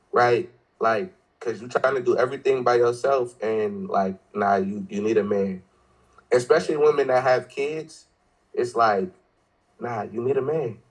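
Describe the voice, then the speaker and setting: A man at a moderate pace with lively intonation and long, frequent pauses, over a quiet background. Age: 30s. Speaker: interviewee. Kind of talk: casual chat. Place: home room. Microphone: video call.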